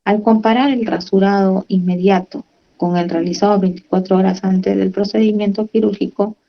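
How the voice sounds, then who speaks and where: A woman's voice: mid-range voice, steady tone, moderate pace, vocal fry, dull audio. A woman giving a medical lecture, reading from slides and then explaining in her own words with fillers and tag questions.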